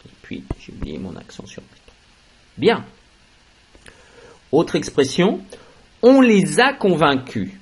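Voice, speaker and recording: A man teaching a French grammar lesson, explaining slowly and stressing key words, switching into English for translations. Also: a little high, huge pitch swings, slight background noise, rough recording.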